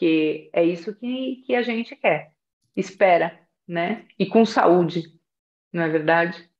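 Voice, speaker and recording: A woman speaks at a very slow pace with a fairly low pitch and ordinary pitch variation. Her pauses are long and frequent. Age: 60s. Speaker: mother of a daughter with a rare syndrome. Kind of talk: live interview. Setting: YouTube live video call.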